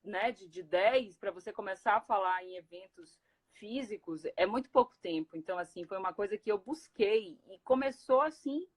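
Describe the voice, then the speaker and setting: A woman from Recife, a guest speaker talking casually in a live interview, animated and quick to laugh, with many fillers and restarts. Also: medium pitch. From Recife, Brazil.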